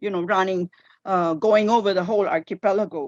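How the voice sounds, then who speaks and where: The speaker has a Filipino accent, ordinary pitch variation, and a fairly quick pace. The sound is dry and close with no echo over a quiet background. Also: woman. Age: 70s. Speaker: political science professor, forum panelist. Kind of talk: panel discussion. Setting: online forum.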